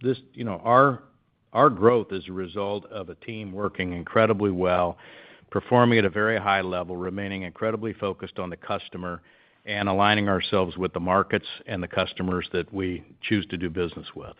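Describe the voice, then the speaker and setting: A male company executive with a low voice answers questions on an earnings call. He talks in a measured, upbeat corporate manner. The audio is dull and band-limited, like conference call sound. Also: fairly even intonation.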